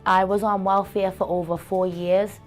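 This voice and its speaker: A woman's voice: medium pitch, flat delivery, moderate pace, faint music behind. A woman in her thirties with a Boston accent, speaking matter-of-factly in an interview. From South Boston, Massachusetts. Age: 30s.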